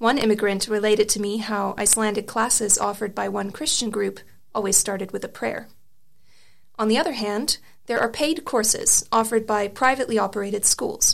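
A woman talks with vocal fry at a fairly high pitch. Her intonation stays fairly even. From Serbia. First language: Serbian. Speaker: journalist. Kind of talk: podcast interview with narrated article reading.

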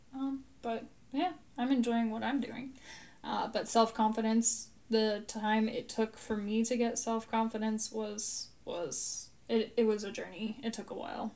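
Somewhat breathy and dark, mellow in tone, a woman's fairly high voice moves at a fairly slow pace with fairly even intonation. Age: 20s. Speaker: podcast host. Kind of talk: casual monologue. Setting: home apartment.

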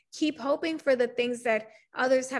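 Over a quiet background, a woman with a high-pitched voice talks at a moderate pace. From New York City. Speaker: Marine Corps veteran and author. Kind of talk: interview.

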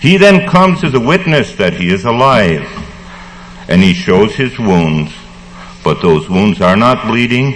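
Over noticeable background noise, a man with a fairly low pitch talks at a fairly slow pace with lively intonation. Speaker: preacher. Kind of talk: sermon delivered live to a congregation, with direct rhetorical questions. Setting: church. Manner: earnest and fervent, pleading with listeners as 'dear fellow traveler'; formal, archaic biblical phrasing.

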